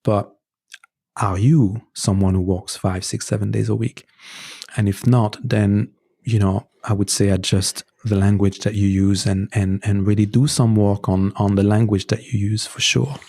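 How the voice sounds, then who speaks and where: A man's voice: fairly low pitch, little pitch movement, normal speed, mellow, slightly rough, dry recording. A man whose first language is French, giving earnest, practical advice in a casual podcast conversation, with frequent "you know" asides and restarts. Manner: gives practical advice, sometimes pointed. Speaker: guest, movement teacher.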